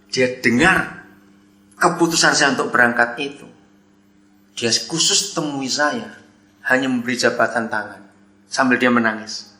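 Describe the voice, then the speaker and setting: A man preaching a sermon, telling a personal story with animated delivery and speaking directly to the congregation. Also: mid-range voice. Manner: animated storytelling, addresses listeners as "saudara". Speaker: pastor. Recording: echoey hall.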